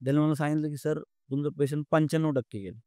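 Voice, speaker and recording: A man's voice: a little high, mellow, clear, resonant tone, no room sound, studio quality. Earnest young man. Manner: earnest, halting, many fillers and restarts. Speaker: podcast guest. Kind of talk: emotional storytelling in an interview.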